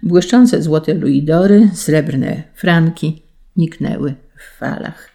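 A narrator reads a classic tale aloud in a measured, solemn way. The delivery is slow and unhurried, with a gravelly texture and a mid pitch. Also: mellow. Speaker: audiobook narrator.

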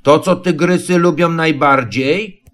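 A man voicing an eager, excitable young tiger in a storybook reading, with short squeaky bursts. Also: measured pace.

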